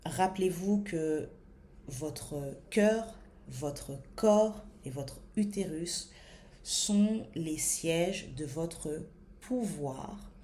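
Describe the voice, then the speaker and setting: A French woman in her thirties talks straight to her viewers as a body-image coach. Her voice sits a little low, and she speaks slowly and deliberately, pausing often with fillers as she searches for words. Faint room ambience hums behind her. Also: lively intonation, mellow, slight background noise. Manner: many hesitations and fillers. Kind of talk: motivational talk to camera.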